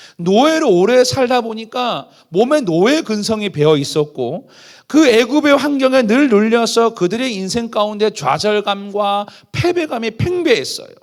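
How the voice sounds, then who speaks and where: An animated man speaks in a high pitch with very wide pitch swings. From Gangwon Province, Samcheok, Korea. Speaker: pastor. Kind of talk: sermon. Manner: animated, rhetorical questions to congregation.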